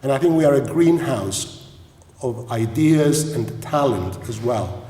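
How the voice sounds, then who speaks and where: A man speaks at a public forum, his chatty delivery full of "you know" fillers. He sounds set back from the microphone in a big hall with a long, ringing reverb. His pitch sits at an ordinary level for a man. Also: expressive, unhurried, mellow. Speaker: forum chairman introducing speakers. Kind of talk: formal address at a forum. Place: large hall at an event. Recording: echoey hall, speaker far from mic.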